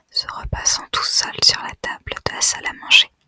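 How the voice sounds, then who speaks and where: A whispering woman at a fairly slow pace. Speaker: author reading her own novel, ASMR creator. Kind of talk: whispered ASMR audiobook reading of a fantasy novel. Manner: whispered, soft, slow.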